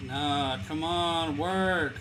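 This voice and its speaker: A man's voice: fairly high pitch, drawn-out words. A young man livestreaming while he draws viewers' characters, chatting loosely with his chat. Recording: music playing behind.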